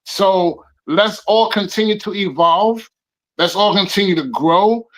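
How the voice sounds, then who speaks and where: A man in his fifties with a noticeably high-pitched voice, talking in an effusive, animated way. He repeats short phrases for emphasis and mixes in a New lilt. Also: measured pace, poor audio. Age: 50s. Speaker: podcast guest DJ. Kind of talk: casual podcast chat.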